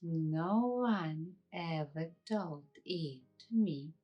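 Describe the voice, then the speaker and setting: Female ASMR meditation guide, slightly low register, extremely slow and hushed delivery with long pauses, soft music behind. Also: expressive, slightly rough, lo-fi sound. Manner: hushed, unhurried, with long pauses between short phrases.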